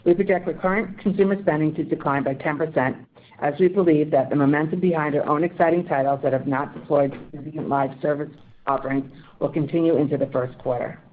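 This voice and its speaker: A woman executive reading a scripted financial report in a formal, measured way over a conference phone line. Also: sits low, fairly even intonation. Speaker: company financial executive on earnings call.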